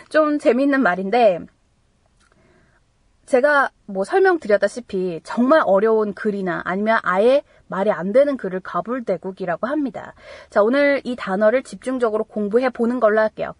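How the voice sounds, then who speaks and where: A woman teaching English vocabulary, reading example sentences very slowly and clearly, with chatty asides. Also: a little high, no room sound. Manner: chatty asides with little laughs. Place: staying in Hawaii.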